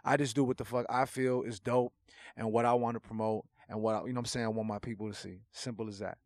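A man whose first language is Portuguese, a guest rapper talking in a casual podcast chat, animated and slangy with emphatic swearing. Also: mid-range voice, quick pace, no room sound.

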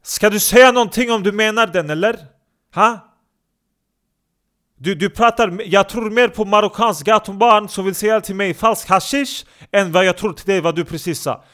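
A man voicing a boastful young man who is quick to insult others, talking bluntly in broken street Swedish in a comedy podcast sketch. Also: high-pitched, a bit bright, clear, resonant tone, voice pushed up. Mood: mocking.

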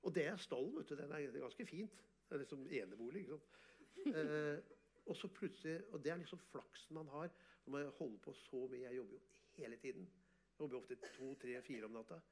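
A man, an artist and photographer, telling animated, boastful stories in an interview and often laughing. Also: on the high side. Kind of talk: casual storytelling interview.

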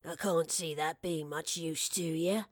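A woman's voice: sits low, fairly even intonation, a little slow, no echo, studio quality, pitched below the performer's own voice. A woman voicing an elderly male map-shop keeper in an audiobook story, kindly and playfully grumbling, with old-fashioned fond turns of phrase. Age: older.

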